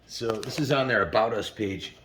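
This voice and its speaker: A man's voice: fairly low pitch, normal speed, fairly bright tone, slight background noise. A man with a folksy, enthusiastic manner hosts a story time, chatting casually and reading aloud to his viewers. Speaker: host of a story time show.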